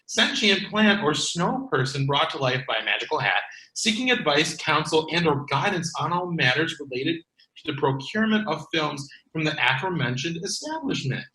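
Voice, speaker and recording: A man's voice: on the high side, sing-song, moderate pace, bright, forceful tone. A man playing a wary, skeptical video store sidekick in a comedy script read. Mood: formal recitation. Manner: skeptical, questioning. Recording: echoey, roomy live stage reading.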